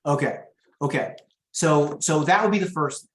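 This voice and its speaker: A man's voice: on the high side, normal speed. Storytelling man teaching in an echoey room. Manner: lively storyteller, acts out quotes. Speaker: real estate trainer. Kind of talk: training webinar.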